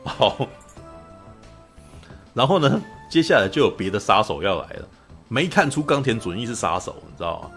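Podcast host, a man: rambly and chatty, lots of laughing, on the low side. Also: very animated, normal speed, vocal fry, long pauses, a bit bright, soft background music. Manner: rambling, constant "you know" tag questions, frequent laughter. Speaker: podcast host reviewing a film. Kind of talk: casual chat.

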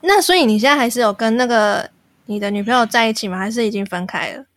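Higher-voiced woman host. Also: fast talker, no echo. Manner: reactive, asks short questions, exclaims. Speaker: podcast host. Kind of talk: call-in radio-style chat.

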